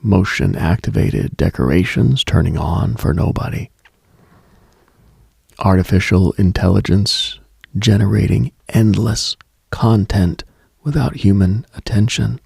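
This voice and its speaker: A low-pitched man hosts a mystical late-night radio program, sharing eerie stories in a musing, hushed, halting manner. He sits close to the mic with a gravelly, breathy, husky voice, and there is no room sound.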